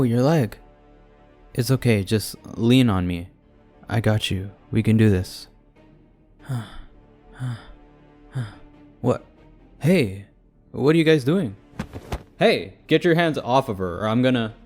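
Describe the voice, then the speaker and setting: A man's voice: medium pitch, vocal fry, a little mellow. A young man playing a devoted, panicky boyfriend with casual, sarcastic asides in an audio roleplay. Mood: urgent, flustered. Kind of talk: ASMR audio roleplay acting.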